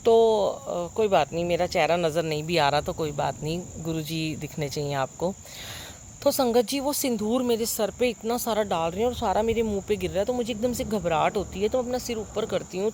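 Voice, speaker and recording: A woman's voice: medium pitch, a little mellow, slight background noise. Earnest middle-aged woman telling a dream. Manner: earnest, wonder-struck, pauses with many fillers. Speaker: devotee sharing a dream with a congregation. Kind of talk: devotional storytelling. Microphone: phone propped nearby.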